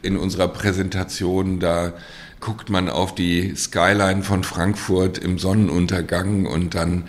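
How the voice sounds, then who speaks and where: A male design professor speaking casually in an interview, halting with fillers. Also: low voice, little pitch movement. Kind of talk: interview soundbite.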